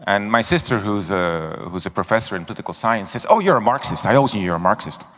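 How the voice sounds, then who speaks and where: A man's voice: on the low side, animated, fast talker, a bit bright. Blunt man speaking in a reverberant hall. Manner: blunt, candid, self-mocking. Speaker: conference speaker. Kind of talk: conference talk and Q&A. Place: large conference stage. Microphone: handheld microphone.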